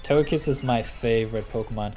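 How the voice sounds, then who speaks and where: A fast-talking man from Norway with a warm, medium-pitched voice and a Norwegian accent hosts a game livestream, commentating and reading chat. He is easygoing and chatty between plays, with plenty of ums and laughs, and faint music runs underneath.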